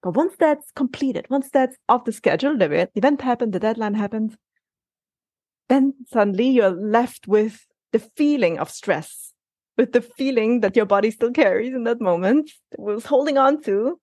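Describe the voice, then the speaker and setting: A woman speaks as a coaching guest in a relaxed interview, her tone gentle and reassuring. She often breaks off and restarts her sentences as she thinks aloud. The sound is dry and close. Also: fairly high pitch, normal speed, no room sound. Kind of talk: conversational interview answers.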